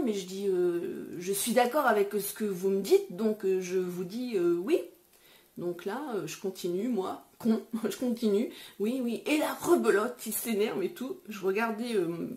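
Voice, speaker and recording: A middle-aged woman vlogger chatting casually, retelling a story in an animated way with many fillers. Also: mid-range voice. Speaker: beauty vlogger.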